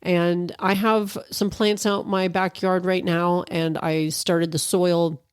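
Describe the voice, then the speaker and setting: A woman's voice: fairly low pitch, level tone, slow pace, smooth, no echo, clean studio sound. Chatty stuffy-nosed woman podcast host. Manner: chatty and rambling, with fillers and restarts. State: slightly stuffy from allergies. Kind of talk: casual solo podcast chat.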